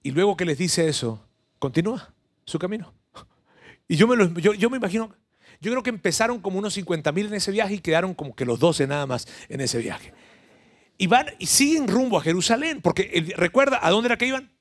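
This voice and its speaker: Animated preacher. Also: male voice, sits high, a little fast. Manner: animated storytelling, addresses listeners directly. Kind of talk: sermon.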